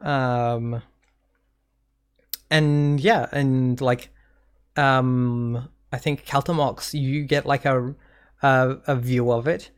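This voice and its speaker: Male game master, slow halting narration, filler-heavy. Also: mid-range voice, steady tone, smooth.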